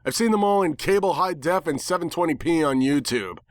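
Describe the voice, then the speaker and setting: A man's voice: fairly high pitch, expressive, fairly quick, dry recording, studio quality, voice pushed up, close to an everyday voice. A man voicing a smart-mouthed, exasperated pony hero in a dramatic story reading, sarcastic and defiant.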